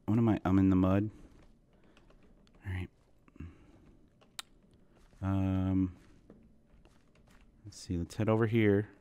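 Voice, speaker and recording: Deep-voiced man, hoarse, rambling gameplay chatter. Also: little pitch movement, slow pace, long pauses, warm tone, muffled recording. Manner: rambling, self-deprecating, talks to viewers. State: sick, voice going hoarse. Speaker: gaming channel host. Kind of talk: casual Minecraft let's play commentary.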